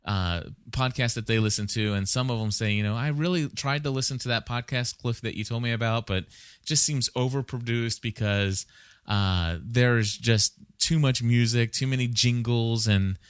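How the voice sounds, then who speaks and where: This podcast host has a clear, resonant, mid-range male voice and talks at a normal speed. The studio-quality sound has no room noise. He rambles casually and conversationally, thinking aloud as he gives advice.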